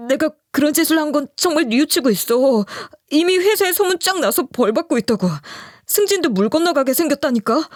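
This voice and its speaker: A woman's voice: a little high, animated, moderate pace, no room sound, clean studio sound, close to an everyday voice. A woman voicing a cheating middle-aged husband who stammers and begs his wife. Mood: pleading. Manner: stammering, begging.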